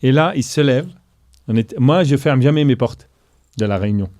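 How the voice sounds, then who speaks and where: A middle-aged man recounts a business deal as an interview guest, bringing it to life and voicing the other people in the story. His voice is mellow and warm. The recording is dry and close. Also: medium pitch, moderate pace, dry recording. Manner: animated storyteller, voices quoted dialogue. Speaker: guest entrepreneur.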